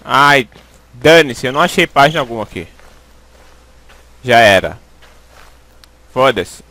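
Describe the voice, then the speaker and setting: A man's voice: mid-range voice, lively intonation, a little slow, sharp tone. A young Brazilian man with a Brazilian Portuguese accent giving jumpy, swearing commentary as he plays a horror game into a headset. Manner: jumpy, swearing, panicky pleading. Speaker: gaming YouTuber.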